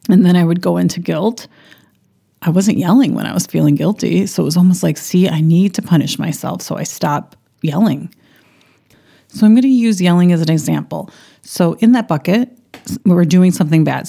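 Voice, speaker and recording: Warm, low-pitched woman hosting a self-help podcast. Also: gravelly. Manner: reflective, coaching tone with personal anecdotes; restarts and repeats phrases while thinking aloud. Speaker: podcast host.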